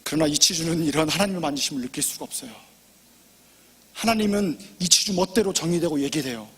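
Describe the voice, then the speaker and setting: Impassioned pastor in a reverberant hall. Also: male voice, high voice, slightly rough. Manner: impassioned, swings from loud pleading to hushed whispers. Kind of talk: sermon. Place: church sanctuary.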